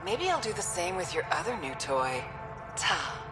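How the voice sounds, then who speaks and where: Taunting alien villainess, swooping and echoey. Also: female voice, fairly low pitch, very animated, moderate pace, over music. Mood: mocking. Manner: mocking, sing-song. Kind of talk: video game dialogue acting. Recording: echoing playback of a recorded message.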